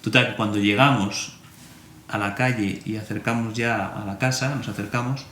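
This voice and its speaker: Priest, male, low register, lively storyteller; recorded in a roomy space. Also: normal speed. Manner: animated storyteller, acts out remembered dialogue. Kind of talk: personal storytelling interview. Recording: roomy echo, faint room hum.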